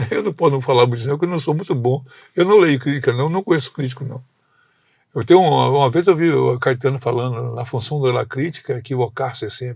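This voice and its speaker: A man's very fast, somewhat breathy voice at a medium pitch, with ordinary pitch variation. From Bahia, Brazil (Santo Amaro). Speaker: musician. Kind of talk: interview. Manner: halting.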